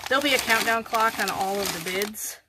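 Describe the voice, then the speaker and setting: A woman's voice: a little high, a little fast. A middle-aged woman hosting a casual unboxing video, chatting as she unpacks and names each item in an indoor workroom. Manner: chatty, narrates items as she unpacks them. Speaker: host of a resale channel. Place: indoor workroom with tables and boxes. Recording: clear background noise with clicks.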